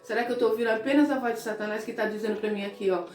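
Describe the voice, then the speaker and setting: A woman's voice: fairly high pitch, fairly even intonation, rapid-fire, a little mellow, echoey room, far from the mic, soft background music. A woman preaching a devotional sermon, earnest and full of rhetorical questions.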